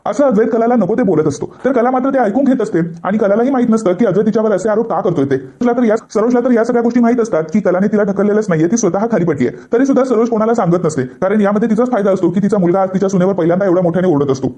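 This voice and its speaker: A man retelling the events of a TV serial episode in a brisk storytelling manner. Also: sits high, warm tone. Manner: rapid storytelling. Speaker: episode recapper.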